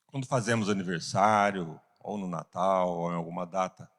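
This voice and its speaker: A man with a Brazilian Portuguese accent teaching a Bible class, earnest, asking rhetorical questions and pausing for emphasis. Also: deep voice, a bit bright. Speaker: Sunday school teacher.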